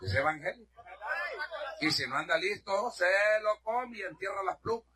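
Fiery high-voiced Honduran preacher. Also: male voice, expressive, normal speed, slight background noise. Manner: fervent, swings from shouting to hushed asides. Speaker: pastor. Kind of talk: sermon. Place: church.

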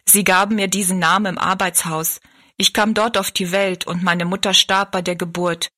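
A woman's voice: on the low side, little pitch movement, moderate pace, bright, forceful tone. A woman voicing a tired, bitter young kitchen maid who speaks bluntly and complains in a storybook reading. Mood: weary.

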